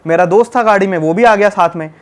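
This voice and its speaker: Young male podcast guest, high-pitched, lively storyteller who acts out scenes. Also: fast talker. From Delhi, India. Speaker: travel YouTuber guest.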